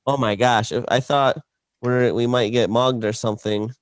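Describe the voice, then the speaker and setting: A man's voice: medium pitch, steady tone, moderate pace, no room sound. A man co-hosting a podcast, telling a long, rambling story in casual chat, full of fillers and restarts. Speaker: podcast co-host.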